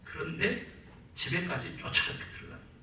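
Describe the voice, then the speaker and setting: Korean pastor guy preaching, high bright voice jumping all over, big echoey church, mic a bit far. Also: fairly quick, a little hiss or hum. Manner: animated, acts out quotes and calls for amens. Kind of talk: sermon. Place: church sanctuary.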